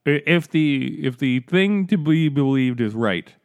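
A blunt, foul-mouthed man co-hosting a comedy podcast, with a voice a little higher than most men's. He is recorded close on a studio mic in a dry room with no echo. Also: animated, measured pace. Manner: blunt, swears, laughs at his own jokes. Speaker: podcast co-host. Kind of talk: casual political comedy chat.

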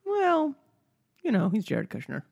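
A man co-hosting a casual political comedy podcast, sarcastic and quick to act out mocking impressions. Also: extremely high pitch, wildly swooping pitch, vocal fry, darkish tone, dry recording, lo-fi sound. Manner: sarcastic, acts out mocking quotes in silly voices. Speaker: podcast co-host.

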